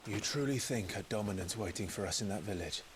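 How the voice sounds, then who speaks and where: An actor playing a serious, wary young warrior in a fantasy game, with an earnest, restrained way of speaking. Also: male voice, lowish voice, quick pace, noisy background, natural voice. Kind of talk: fantasy video game voice acting. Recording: faint music behind the voice.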